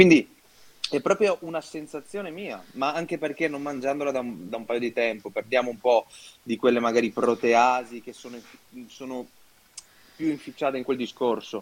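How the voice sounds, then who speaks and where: Speaking at a moderate pace with a medium pitch and ordinary pitch variation, a man makes long, frequent pauses and big swings in loudness. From Friuli, Italy. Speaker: nutritionist. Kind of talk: casual chat.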